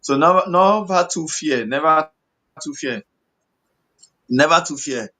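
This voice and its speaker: A man with a West African accent answering health questions as a doctor, explaining in mixed Pidgin and English in a halting, repetitive, reassuring way. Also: on the high side, lively intonation, pushed and bright.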